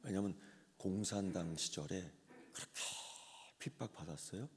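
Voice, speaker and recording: A man preaching a sermon as pastor, swinging from hushed tones to loud dramatic outbursts. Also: sits low, normal speed. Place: church sanctuary. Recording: long church hall reverb.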